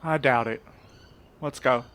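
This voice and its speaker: A man's voice: medium pitch, measured pace, a bit bright, close to an everyday voice. A man playing a practical, somewhat exasperated peacemaker guiding his companions in an audio drama. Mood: wary, practical. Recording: long echo, noisy effects ambience.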